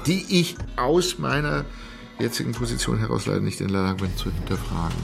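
A man's voice: medium pitch, brisk, creaky, music in the background. An actor playing a cornered man in debt who answers with sarcasm. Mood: sarcastic. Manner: sarcastic, ironic. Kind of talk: radio play acting.

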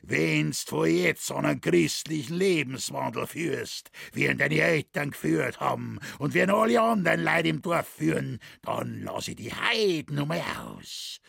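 A man playing a slow, menacing country devil. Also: on the high side, animated, gravelly, fairly bright tone, husky, no room sound, studio quality, heavily acted. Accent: Bavarian. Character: gruff rustic man posing as the devil.

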